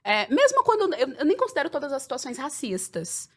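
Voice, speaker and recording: Fast-talking woman in her thirties, slightly high voice, emphatic and jokey; a panel guest. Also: wildly swooping pitch, a bit bright. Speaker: sociology researcher guest. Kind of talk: podcast panel conversation.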